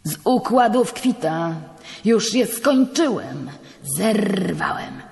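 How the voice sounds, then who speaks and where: A woman reading a part as a hot-tempered middle-aged country judge who talks indignantly and shouts. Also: deep voice, lively intonation, slow, gravelly, exaggerated voice. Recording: long hall reverb, live stage.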